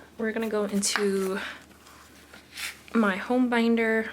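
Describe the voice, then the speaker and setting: A woman with a fairly high pitch speaks at a fairly slow pace. Room echo and noticeable background noise are audible. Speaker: budgeting vlogger. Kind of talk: casual budgeting tutorial.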